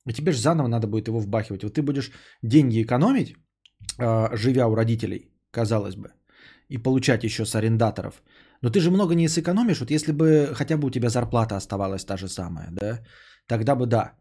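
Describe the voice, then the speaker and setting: A young man with a husky, mellow voice hosts a casual podcast stream. He reads donations and rambles sarcastically, trailing off into mutters. His tone stays dark and breathy. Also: medium pitch, fast. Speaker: podcast host reading donations.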